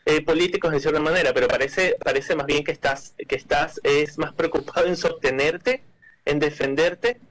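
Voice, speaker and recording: A man's voice: fairly high pitch, fairly even intonation, moderate pace, fairly bright tone, rough recording. An Ecuadorian man answering interview questions as a cultural manager, often hesitating, restarting and repeating words.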